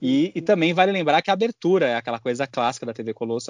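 Against a quiet background, a man speaks at a very fast pace in a dry, close sound with no echo. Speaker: podcast co-host. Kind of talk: casual chat.

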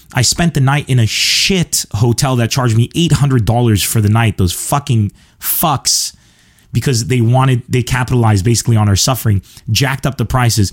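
At a fairly quick pace, a man talks in a somewhat breathy, medium-pitched voice with ordinary pitch variation and very even loudness, the sound dry and close with no echo. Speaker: stand-up comedian and podcast host. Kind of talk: casual chat and stand-up comedy storytelling, with accent bits and jokes.

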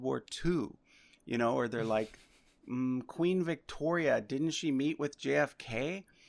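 A man with a Canadian accent has a plain, everyday voice, speaking fairly slowly at a fairly high pitch. His pitch variation is ordinary and the background quiet. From Nova Scotia, Canada. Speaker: educational YouTuber, history chart maker. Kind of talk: casual interview chat.

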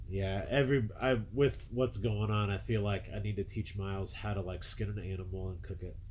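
A man with a fairly low, somewhat breathy voice talks at a moderate pace with hardly any pauses and ordinary pitch variation. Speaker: podcast guest. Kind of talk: casual chat.

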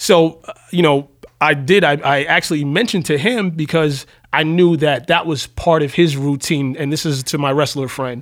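Using a normal speaking voice, the man sits at a fairly high pitch, keeps a moderate pace and varies his pitch in an ordinary way. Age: 30s. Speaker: former steroid user. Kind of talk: interview.

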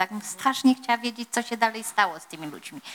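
The recording is dry and close, without any echo. A woman talks with a fairly high pitch. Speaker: author, journalist. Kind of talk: interview at book launch. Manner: halting.

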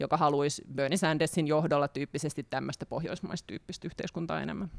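Speaking very fast with vocal fry and ordinary pitch variation, a woman uses a very deep, low voice, recorded with a dry, close sound and no echo. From Finland. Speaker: journalist and author. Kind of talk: interview.

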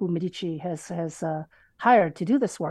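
A woman speaks at a medium pitch. The sound is dry and close with no echo, against a quiet background. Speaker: novelist and facilitator of a women's collective. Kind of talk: interview. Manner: fast.

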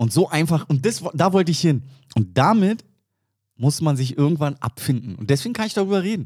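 Pitched fairly high, a man talks at a fairly quick pace in a somewhat breathy voice with very wide pitch swings, on a very clean recording with a silent background. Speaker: former radio host and hip-hop veteran. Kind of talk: casual chat.

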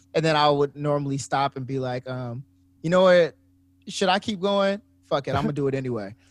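A plain, everyday voice from a man, fairly high in pitch, lively in intonation and fairly quick, with a dry, close sound and no echo. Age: 30s. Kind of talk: casual chat.

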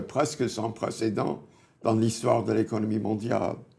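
A man with a New Jersey accent has a dark, mellow tone that is somewhat breathy. Audible room echo surrounds his voice. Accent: New Jersey American accent in French. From US, New Jersey. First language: English (speaking French). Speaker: translator and academic. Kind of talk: lecture with slides. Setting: live online event. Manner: hesitant, with many fillers.

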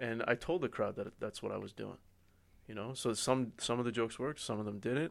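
A man's normal speaking voice at a medium pitch, fairly quick pace and ordinary pitch variation, on a very clean recording with a silent background. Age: 30s. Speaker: stand-up comedian and show co-producer. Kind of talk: casual chat. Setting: studio.

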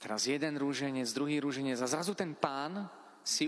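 There is audible room echo around a man's voice. He talks at a moderate pace with a fairly high pitch. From Slovakia, Spiš region. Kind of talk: lecture to pilgrims. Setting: church, broadcast on radio.

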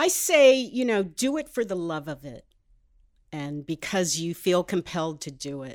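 Speaking with an American accent, a woman uses a fairly low pitch with very wide pitch swings and big swings in loudness at a moderate pace, in a very clean recording with a silent background. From Central California. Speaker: television writer and producer. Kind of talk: casual chat.

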